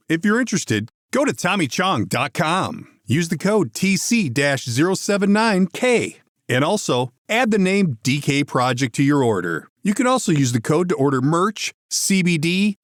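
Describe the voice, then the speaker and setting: Male podcast host, American, animated delivery, close dry sound. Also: a little high, dry recording. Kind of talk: casual interview chat and ad reads.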